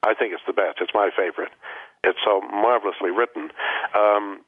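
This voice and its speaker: A man with a lowish voice talks over a tinny phone line, halting and full of ums as he thinks aloud. The sound is dry and close, as a guest on a radio call-in. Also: fairly even intonation, slightly rough, no echo. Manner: hesitant, many ums and restarts. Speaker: guest Egyptologist. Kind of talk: casual radio interview. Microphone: telephone.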